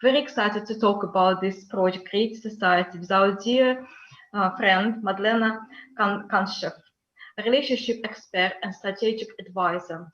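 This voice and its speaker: A woman's voice: medium pitch, moderate pace, a bit bright. A woman co-hosting an interview, introducing the guest with hesitant, stumbling phrasing on a video call. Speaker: co-host. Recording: roomy muffled lo-fi audio.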